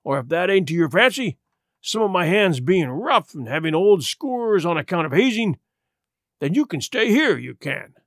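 Rough one-legged pirate boss, male reader acting, wrathful and wheedling, animated high voice, dry storybook recording. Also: normal speed, dry recording, exaggerated voice. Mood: wheedling, bargaining. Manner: salty rustic sailor talk with oaths.

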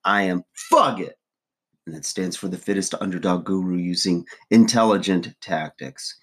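A man's voice: low-pitched, moderate pace, a bit bright, husky. A man vlogging a casual motivational talk to camera, rambling with many fillers, his voice still groggy from early morning. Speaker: fitness coach and vlogger.

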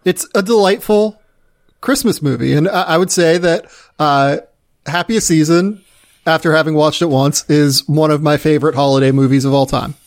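Male podcast host, fairly high voice with heavy fry, talking sports casually. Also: moderate pace.

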